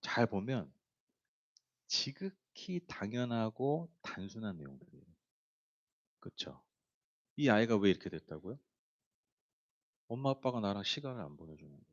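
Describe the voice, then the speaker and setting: A man delivers a sermon in a relaxed, storytelling manner, filling his sentences with small hesitations and turning often to address his listeners. His voice sits on the low side. The recording sounds dull and lo-fi. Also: normal speed, long pauses. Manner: conversational storytelling, many fillers, addresses the congregation. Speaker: pastor.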